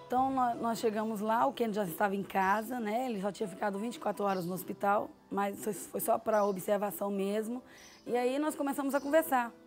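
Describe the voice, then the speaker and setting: A woman's voice: mid-range voice, fairly quick. A woman vividly retelling a personal testimony, often quoting dialogue and asking "sabe?". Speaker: testimony giver. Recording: music underneath.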